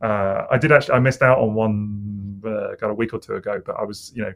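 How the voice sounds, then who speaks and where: A man with a gravelly, creaky voice talks in a relaxed podcast chat. He rambles and hesitates, doubling back with fillers as he thinks aloud. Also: on the low side, fairly quick. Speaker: podcast co-host. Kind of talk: casual chat.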